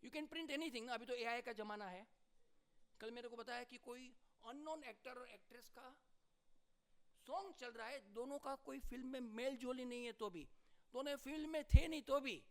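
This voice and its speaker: A middle-aged man giving a lively seminar talk in Hindi mixed with English, prodding the audience for answers. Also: very high voice, moderate pace, clean tone. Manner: animated, prods the audience for answers. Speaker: lecturer.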